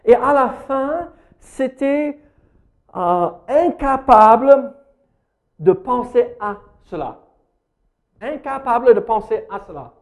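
A pastor with an American accent gives a sermon in a church hall, hesitating a lot, using many fillers, and putting questions to his listeners. His voice is extremely high-pitched and expressive. He takes it slowly and pauses often.

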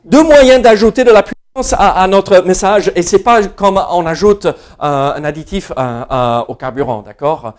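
High-voiced American man preaching. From United States. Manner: halting, many fillers and restarts, laughs at himself. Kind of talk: sermon.

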